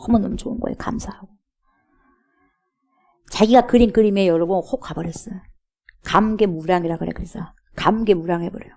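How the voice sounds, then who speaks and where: A woman's voice: medium pitch, fairly quick, pauses often, a little mellow. A middle-aged woman pastor preaching a sermon, telling a story and acting out its characters' lines, sometimes dropping to a whisper.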